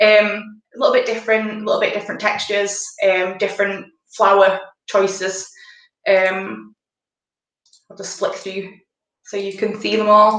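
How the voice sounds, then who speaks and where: A woman's medium-pitched voice rings with audible room echo. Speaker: wedding cake maker. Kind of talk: sales pitch. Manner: fast.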